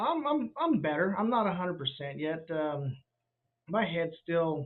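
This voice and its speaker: With an American accent, a man speaks fairly slowly in a high pitch and lively intonation. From Northern California. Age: 50s. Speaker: race car driver. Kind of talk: podcast interview. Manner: halting, many fillers.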